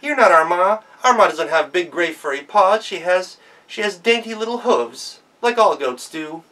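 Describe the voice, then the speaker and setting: A man's voice: high-pitched, expressive, normal speed, sharp tone, far from the mic, voice pushed up. A man voicing a bold, bossy oldest goat sister who stands up to the wolf, heard from away from the mic. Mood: defiant. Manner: bossy and defiant.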